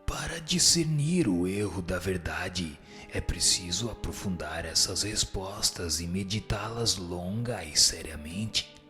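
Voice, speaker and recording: A man playing a grave, admonishing spirit teacher in a scripted audio drama, speaking in a solemn, measured, didactic way. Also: low-pitched, pushed and bright, heavily acted.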